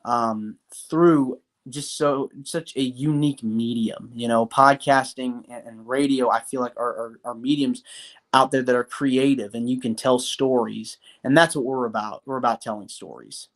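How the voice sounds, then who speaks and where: A man's voice: mid-range voice, steady tone, moderate pace. Earnest man rambling with fillers. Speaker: podcast guest. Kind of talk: casual interview talk.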